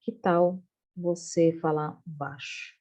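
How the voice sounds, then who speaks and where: Calm, reasonable young girl, low and mellow, voiced by a woman quoting her daughter. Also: slow pace, dull audio, slight background noise. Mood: calm, earnest. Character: eleven-year-old girl, calm and reasonable.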